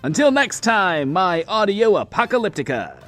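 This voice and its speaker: A man's voice: high-pitched, sing-song, normal speed, fairly bright tone, soft background music. A man playing a boastful, flirty post-apocalyptic radio host, showy and hammy, in an audio drama monologue. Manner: hammy, showy, refers to himself in third person.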